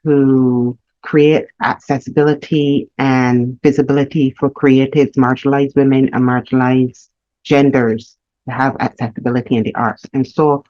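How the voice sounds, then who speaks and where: A woman from Barbados, telling her life story as a guest, earnest and reflective with halting restarts. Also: rumbling low, little pitch movement, dark tone, no echo. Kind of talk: candid personal storytelling. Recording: slightly muffled lo-fi audio.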